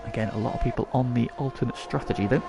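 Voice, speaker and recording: A man's voice: mid-range voice, steady tone, quick pace, creaky. A man working as lead motorsport commentator on a race, calling the action in short present-tense phrases.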